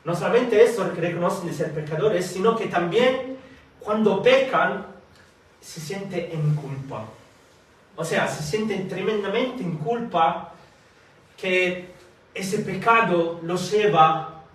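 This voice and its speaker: A man born in Italy leads a prayer and a sermon, halting often with fillers and restarts. His voice sits somewhat high. He is heard from a distance in a very echoey hall. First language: Italian or Filipino language. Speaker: preacher. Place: church hall.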